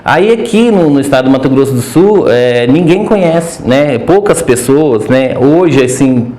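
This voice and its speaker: A man with a Minas Gerais accent talks in a hesitant, nervous way as a podcast guest, stopping and restarting his sentences. His voice is mellow and dark, and it carries a noticeable room echo. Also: medium pitch, expressive, unhurried, a little hiss or hum. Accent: Minas Gerais Portuguese. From Brazil. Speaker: podcast guest, pigeon breeder. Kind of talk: casual interview chat.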